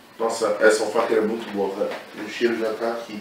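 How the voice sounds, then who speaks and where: The room echo is audible. Noticeable background noise runs under the audio. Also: man. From Brazil, São Paulo. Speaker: YouTuber reviewing hookah products. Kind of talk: casual unboxing vlog. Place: home room.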